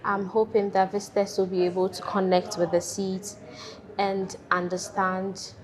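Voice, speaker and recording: A woman's voice: medium pitch, level tone, a little slow, a crowd in the background. A young woman from Ghana, a university student, describing her art project earnestly and restarting phrases as she thinks. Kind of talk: reflective interview talk.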